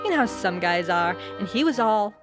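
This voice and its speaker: A woman's voice: medium pitch, lively intonation, normal speed, over music, close to an everyday voice. A woman playing a breezy, theatrical schoolgirl in an audio drama comedy, chatty and slangy as she tells things dramatically. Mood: breezy storytelling. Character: breezy, theatrical teenage girl student, loves acting.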